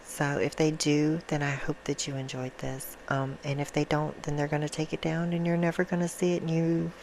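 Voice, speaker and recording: A soft-spoken woman chatting casually and affectionately to her viewers in an ASMR style, with an informal, self-deprecating manner. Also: low-pitched, little pitch movement, normal speed, slight background noise, rough recording. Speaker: ASMR video creator and host.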